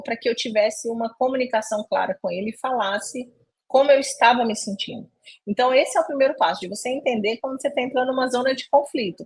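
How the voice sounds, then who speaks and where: A woman's voice: fairly high pitch, slightly rough. A middle-aged woman speaking at a leadership webinar, telling a story from her own work life and acting out the dialogue in it. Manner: animated, acts out quoted dialogue.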